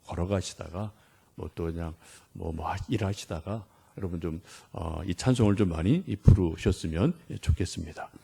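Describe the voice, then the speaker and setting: A man preaching an early-morning sermon as pastor, acting out prayers in a soft, pleading voice and sometimes dropping to a whisper. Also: deep voice, moderate pace, creaky, breathy edge. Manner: acts out prayers in a pleading, gentle voice.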